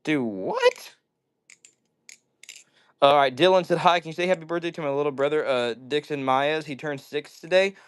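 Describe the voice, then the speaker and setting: A man's voice: a little high, very animated, moderate pace, pauses often, smooth. A man hosting a live stream, chatting casually and reading out viewer messages in slangy, upbeat talk. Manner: upbeat slangy greetings, says "dude" and "yo" often.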